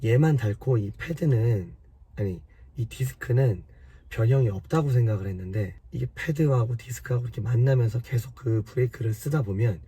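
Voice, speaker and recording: A man with a hoarse voice from a cold, patiently explaining car repair step by step to his viewers in a casual way. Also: mid-range voice, normal speed, warm tone. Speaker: car maintenance vlogger.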